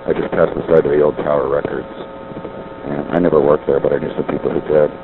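A man's voice: a bass voice, level tone, quick pace, vocal fry, phone-quality sound, background noise. A middle-aged man talking over a payphone line from a city street, musing and rambling, often correcting himself. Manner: musing, digressive, self-correcting. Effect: heard over a payphone line. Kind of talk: rambling monologue on a phone line.

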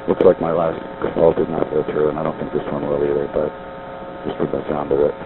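A man's voice: a bass voice, flat delivery, brisk, phone-quality sound, very noisy. A middle-aged man talking over a payphone line from a city street, musing and rambling, often correcting himself. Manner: musing, digressive, self-correcting. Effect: heard over a payphone line. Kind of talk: rambling monologue on a phone line.

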